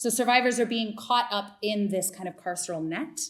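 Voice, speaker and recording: Audible room echo surrounds a woman with an American accent, who talks at a moderate pace with ordinary pitch variation. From United States. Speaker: researcher, grad student. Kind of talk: conference presentation. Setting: conference panel with audience. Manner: frequent filler words.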